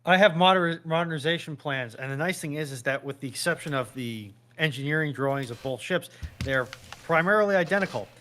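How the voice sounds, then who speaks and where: A man with a voice a bit higher than most. He contributes to an informal panel discussion in long, measured sentences. His manner is dry and wry. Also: bright, forceful tone.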